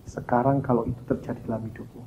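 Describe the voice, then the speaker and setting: A male pastor preaching a sermon, swinging between loud exclamations and hushed low asides to the congregation. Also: flat delivery, fast, slight background noise. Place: church hall. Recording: dull lo-fi sound with faint background ambience.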